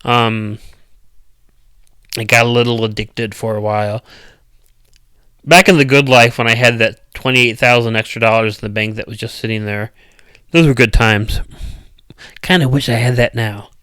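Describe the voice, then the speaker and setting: Loud rambling man chatting with viewers. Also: mid-range voice, steady tone, normal speed, long pauses, smooth, no room sound. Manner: rambling, loud, uneven cadence, many restarts. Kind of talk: casual live chat.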